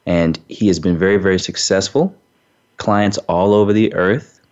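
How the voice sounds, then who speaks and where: A male show host interviewing a guest, talking haltingly with frequent fillers. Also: low-pitched, fairly even intonation, a little mellow. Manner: halting, frequent um and you know. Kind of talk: interview hosting. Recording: dull lo-fi recording.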